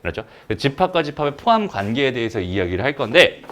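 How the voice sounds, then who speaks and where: Male math teacher, casual lecturing, very animated pitch, asks and answers his own questions. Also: fast talker. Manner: chatty, asks students questions and answers them himself.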